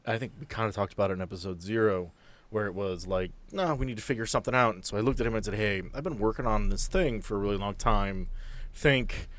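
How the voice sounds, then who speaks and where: A man's voice: fairly low pitch, fast, a bit bright. A man chatting casually as game master and host of a tabletop podcast.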